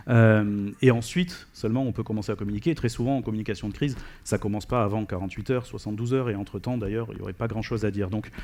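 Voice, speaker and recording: A man's voice: lowish voice, dark tone. A man acting as interviewer at an event, summing up off the cuff and putting questions to his guest. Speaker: interviewer, moderator.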